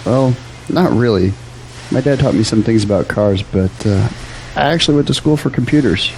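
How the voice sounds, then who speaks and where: A man's voice: mid-range voice, moderate pace, darkish tone, a little hiss or hum, close to an everyday voice, low-quality recording. An actor playing an earnest, hopeful young Christian man in an audio drama. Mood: candid, polite. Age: young adult.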